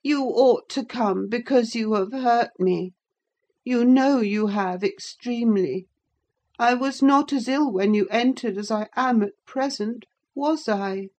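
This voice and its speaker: A frail, whining teenage boy, peevish and demanding, with a raised, plaintive tone, as a woman reader puts him on. He speaks slowly and impatiently. The character belongs to a spoken storybook reading. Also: a little high, a little mellow, voice pushed up.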